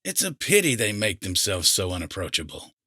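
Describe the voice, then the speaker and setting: A man's voice: low-pitched, huge pitch swings, fairly quick, pushed and bright, no room sound, clean studio sound, full character voice. A man voicing a cheerful, chatty neighbour in an audiobook, with a genial, folksy, old-fashioned way of talking. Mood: curious. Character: cheerful, chatty male neighbour, an enthusiastic gardener. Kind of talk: audiobook character acting.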